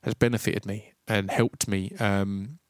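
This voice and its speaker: In a lowish, flat, unhurried voice, a man hosts a podcast, mixing casual interview with reflective monologue. His noticeable stutter makes him repeat the opening sounds of words, and the tone is clean with no echo.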